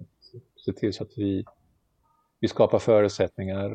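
A man's fairly low voice, dark and mellow, in a flat monotone at a fairly slow pace, dry and close with no echo over a quiet background. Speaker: retired aid official and whistleblower. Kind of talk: interview. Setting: video call.

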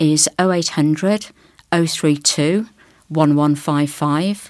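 Speaking very slowly, a woman uses a very deep, low pitch. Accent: English. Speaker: volunteer newsreader. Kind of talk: reading aloud. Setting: studio.

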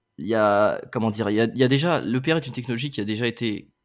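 Mid-range male voice, very clean recording, silent background. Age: 20s. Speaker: nuclear energy engineer. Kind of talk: interview. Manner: halting, many hesitations.

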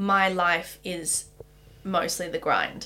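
A woman with an Australian accent, a bright, sharp tone and medium pitch. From Australia, Sydney. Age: 30s. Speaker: business executive. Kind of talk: interview. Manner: calm.

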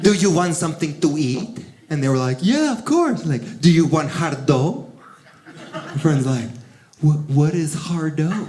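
A man with a fairly high pitch and lively intonation speaks at a fairly slow pace. He takes long, frequent pauses over noticeable background noise. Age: 40s. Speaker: comedian. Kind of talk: stand-up. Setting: stage with audience.

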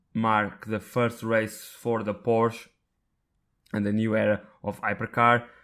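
On a very clean recording with a silent background, a man with a Portuguese accent speaks fairly slowly in a fairly low pitch and monotone, flat intonation. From Portugal, Coimbra. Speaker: podcast host. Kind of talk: interview and motorsport news roundup. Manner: halting.

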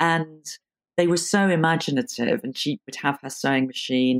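In a very clean recording with a silent background and a dry, close sound with no echo, a woman speaks in a southern English accent with ordinary pitch variation. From London. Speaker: author and fashion historian. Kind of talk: interview.

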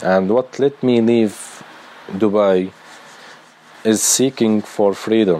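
A man with an Arabic accent speaks very slowly at a fairly low pitch, with very even loudness, ordinary pitch variation, long, frequent pauses, and noticeable background noise. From Syria, Douma near Damascus. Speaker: refugee. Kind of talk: interview testimony. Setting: remote call from home. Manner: halting.

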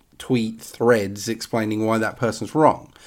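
On a very clean recording with a silent background, a man speaks at medium pitch with an English accent. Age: 40s. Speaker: podcast host. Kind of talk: casual chat.

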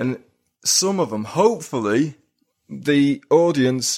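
On a very clean recording with a silent background, a man has an unremarkable speaking voice with medium pitch and ordinary pitch variation. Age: 30s. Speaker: poet and comedian. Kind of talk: casual chat.

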